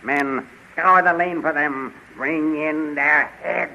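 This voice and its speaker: An actor playing a ruthless, imperious usurper general in a theatrical 1930s radio serial. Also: male voice, fairly high pitch, slow pace. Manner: commanding, theatrical. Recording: noisy, muffled 1935 radio recording.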